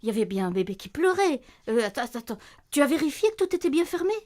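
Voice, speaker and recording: An actress playing an anxious, insistent wife in a radio play, fretting over noises at night. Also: female voice, sits high, very animated, quick pace, darkish tone. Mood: fretful, nagging. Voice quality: insistent, fretful. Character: anxious, insistent wife, worried, sharp-tongued.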